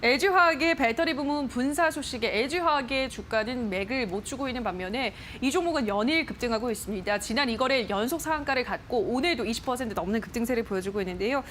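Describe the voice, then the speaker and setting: A woman's voice: a little high, fast, hardly any pauses, slight background noise. A woman hosting a TV stock program, reading viewer posts aloud and questioning an expert in a chatty broadcast manner. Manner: bright, chatty, reads posts aloud with playful voices. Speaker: stock show host. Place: TV studio.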